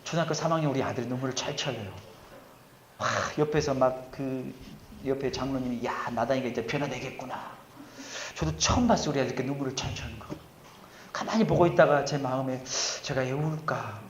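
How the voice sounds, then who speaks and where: A male pastor preaching a sermon, asking the congregation questions and answering them himself, moving between loud emphasis and quiet asides. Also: medium pitch, quick pace, roomy sound, slight background noise.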